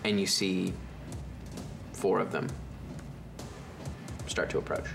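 A man narrating a tabletop game as game master, playful and quick to laugh. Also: sits low, steady tone, vocal fry. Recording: roomy echo with music behind.

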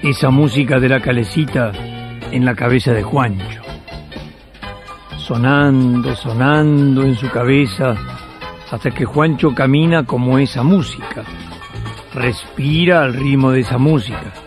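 A man with an Argentine accent hosting and narrating radio theatre in a poetic, deliberate way. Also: medium pitch, music in the background. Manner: poetic, deliberate, repeating phrases. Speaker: host and narrator.

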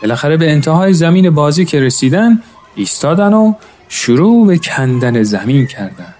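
A man narrating a story in a calm, measured way, now and then addressing his listeners as friends. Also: fairly high pitch, slight background noise. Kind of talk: scripted narration.

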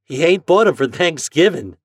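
A man's voice: a little high, lively intonation, normal speed, breathy edge, dry recording, studio quality, pitched above the performer's own voice. A man voicing an eager, jolly farm boy in a storybook, speaking in rustic old-time country dialect. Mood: excited, proud. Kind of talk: storybook character voice.

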